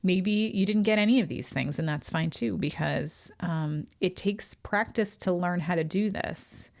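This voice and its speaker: A woman's voice: on the low side, a little slow, vocal fry. A woman hosting her podcast as a medium, talking through a remote viewing reveal in an earnest, eager way, with many ums and restarts. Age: adult with children.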